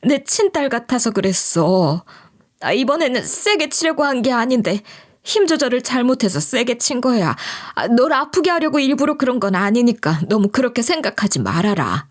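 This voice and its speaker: A woman voicing an older mother-in-law who makes slow, coaxing excuses in a storybook reading. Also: on the high side, very animated.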